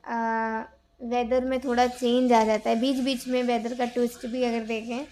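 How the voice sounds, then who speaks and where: A woman's voice: on the high side, flat delivery, moderate pace, a little mellow. A woman gives a casual tarot reading, chatty and rambling, with many fillers and restarts. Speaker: tarot reader.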